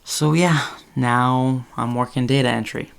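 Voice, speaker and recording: Young man rambling with a creaky voice. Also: medium pitch, steady tone, a little slow. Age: 20s. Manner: rambling, many fillers and self-corrections. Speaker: podcast host. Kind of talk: casual unscripted chat on a video call. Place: small room indoors.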